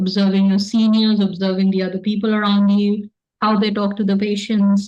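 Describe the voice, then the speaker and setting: A woman's somewhat breathy, dark and mellow voice at a moderate pace, with monotone, flat intonation. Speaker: ICU consultant doctor. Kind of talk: casual chat. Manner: soft-spoken; pauses for emphasis on key words.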